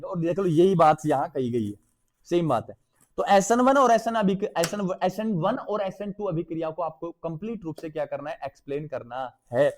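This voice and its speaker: High-pitched man teaching exam revision. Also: darkish tone. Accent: Hindi. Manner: addresses students as beta, keeps checking they follow.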